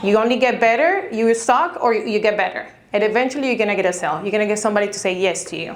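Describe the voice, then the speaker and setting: Noticeable background noise and audible room echo come through as a woman speaks at a very fast pace with hardly any pauses. Her pitch is fairly high, with ordinary variation. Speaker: real estate agent. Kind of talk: conference presentation. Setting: stage with audience.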